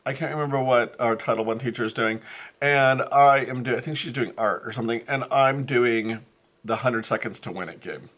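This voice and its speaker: A man's voice: medium pitch, a little fast, fairly bright tone. Male first-grade teacher, casual vlog chatter, loose and self-correcting, ordinary mid-range voice. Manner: rambling, self-correcting, thinking aloud. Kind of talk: casual vlog chat to camera. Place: school classroom.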